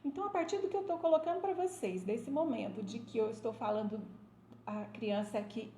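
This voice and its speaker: A woman's voice: fairly high pitch, fairly quick. A middle-aged woman teaching a live-stream class, talking straight to viewers with frequent check-ins and emphatic asides. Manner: warm, emphatic, addresses viewers directly with frequent "né?" and "olha só". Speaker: educator hosting a live stream. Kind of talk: live-stream talk on education. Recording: echoey room with faint ambient noise.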